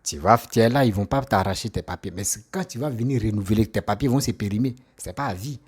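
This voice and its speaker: Impassioned man, low husky voice. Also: fast. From Côte d'Ivoire. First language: an African language, not French. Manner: emphatic, repetitive, rhetorical questions. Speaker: commentator responding to critics. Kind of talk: impassioned political monologue.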